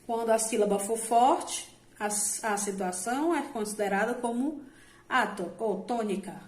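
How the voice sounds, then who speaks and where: A woman with a slightly high voice gives a recorded grammar lesson to adult students. She explains patiently and keeps checking that they follow. Her voice echoes around the room. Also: normal speed. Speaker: Portuguese teacher.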